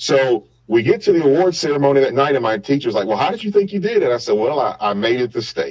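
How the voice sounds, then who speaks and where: With hardly any pauses, a man talks at a very fast pace, his fairly high pitch making very wide swings. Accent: Mississippi. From US South, Mississippi. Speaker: trade school alumnus and community volunteer. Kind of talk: interview.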